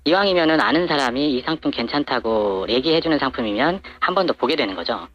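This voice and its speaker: Man, voice disguised by a voice changer, quick-talking, lively pitch, matter-of-fact. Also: dull audio, slight background noise. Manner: matter-of-fact, peppered with hesitant fillers. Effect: voice disguised by an electronic voice changer. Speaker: anonymous supplier to TV shopping channels. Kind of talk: interview answers.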